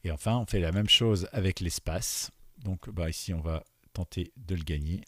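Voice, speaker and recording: A man teaching beginners to code, explaining each step and often checking in with his listeners, with many fillers and dropping quieter while he types. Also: low-pitched, moderate pace, dry recording, clean studio sound. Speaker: programming teacher. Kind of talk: screen-recorded coding tutorial. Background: keyboard typing.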